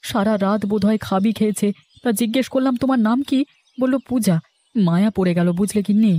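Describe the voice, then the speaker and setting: A man's voice: sits high, a little fast, dark tone, dry recording, lightly acted. A man voicing a poor, kind fisherman in a cartoon story, earnest and exclamatory. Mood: earnest, tender. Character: poor, tender-hearted fisherman husband. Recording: music under the voice. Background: music.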